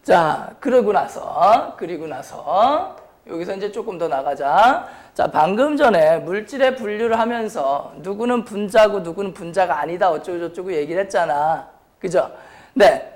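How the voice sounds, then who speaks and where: A male science teacher gives a lecture in a notably high voice. His throat sounds sore and strained. He speaks bluntly and informally, steering the explanation with frequent questions to his students. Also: expressive, normal speed. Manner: question-and-answer delivery, repeatedly prompting students. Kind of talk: high school chemistry lecture.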